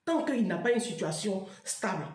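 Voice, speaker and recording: A woman with an Ivorian French accent telling a story in an animated monologue, emphatic and chatty, laughing often and peppering her talk with "là" and "hein". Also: mid-range voice, normal speed, echoey room. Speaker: online commentator.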